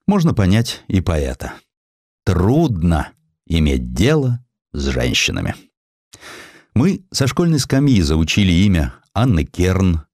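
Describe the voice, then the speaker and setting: A man reading a historical essay as an audiobook narrator, in an expressive, reflective and dramatic literary storytelling manner. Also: deep voice, no echo, clean studio sound.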